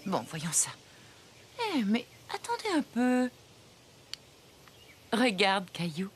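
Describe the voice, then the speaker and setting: A woman voicing a gentle, patient mother who reassures small children in a French-dubbed cartoon. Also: medium pitch, very animated, slow, over loud music. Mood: concerned, reassuring.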